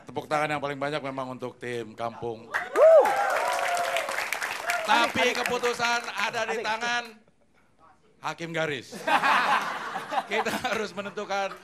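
A man's voice: high-pitched, animated, a little slow, pauses often, heavy background noise. A middle-aged man hosting a stand-up comedy show on stage, joking and teasing the comics. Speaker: host. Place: TV studio stage with live audience. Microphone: handheld mic. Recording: loud crowd and music behind. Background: loud audience laughter and music.

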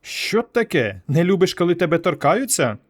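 Man doing a teasing alien seductress, pitched well up, playful and coy. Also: big pitch swings, normal speed. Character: flirty alien woman intruder in a mind.

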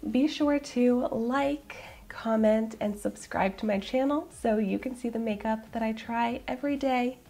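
A woman in her thirties, hoarse from a cold, gushing and candid as she reviews a product to camera in a small room. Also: fairly high pitch, measured pace, hardly any pauses, mellow. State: hoarse, getting over a cold. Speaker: beauty vlogger. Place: small room in front of a floral backdrop.

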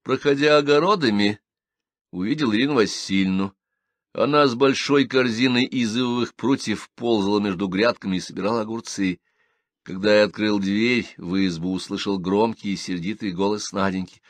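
A man's voice: on the low side, normal speed, no echo. A man reading a literary story aloud in first person, expressively. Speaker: audiobook reader.

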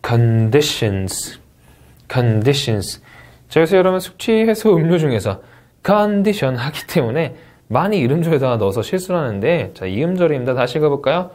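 Guy teaching a test-prep english lecture, voice jumps all over, drags out the example words nice and slow. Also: mid-range voice. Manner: lively, animated delivery, stretching out English model words slowly. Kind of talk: recorded online lecture.

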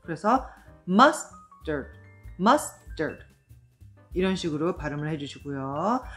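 A woman speech therapist giving a pronunciation lesson, slowly modeling words and explaining each sound. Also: on the low side. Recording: faint background music.

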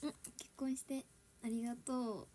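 This young woman's voice is fairly high but barely moves in pitch, with a moderate pace and a dark tone. Chatting casually with livestream viewers from home, the Kansai-accented idol giggles frequently and mixes standard Japanese with Kansai dialect.

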